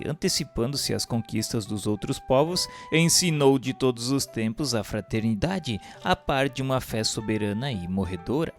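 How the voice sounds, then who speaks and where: With instrumental music behind him, a Brazilian man in a mid-pitched voice reads a scripted religious text. His delivery is solemn, formal and declamatory, much like an audiobook.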